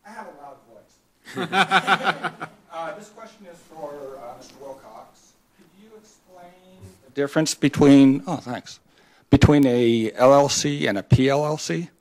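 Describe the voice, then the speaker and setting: A man's voice: on the high side, unhurried, long pauses. A man in the audience, an architect, asking the panel questions with self-deprecating chuckles.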